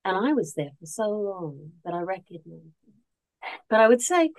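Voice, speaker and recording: A woman's voice: medium pitch, sing-song, moderate pace, a little mellow, low-quality recording. A middle-aged woman born in South Korea and raised around Asia, a guest author talking in a reflective, earnest way and often searching for her words in a casual conversation.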